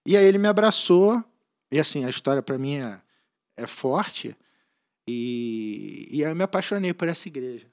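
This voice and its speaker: A man's voice: mid-range voice, animated, moderate pace, darkish tone. Earnest Brazilian man sharing a testimony. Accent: Brazilian Portuguese. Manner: earnest, heartfelt storytelling with frequent restarts. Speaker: church member and podcast guest. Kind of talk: personal faith testimony in conversation.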